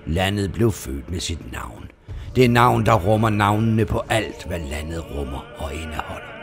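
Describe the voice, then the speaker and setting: An ancient male demon of the land, calm and cunning, with a low gravelly voice, as a male storyteller puts him on. He speaks in measured riddles with quiet menace, and music plays under this storybook recording. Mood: riddling.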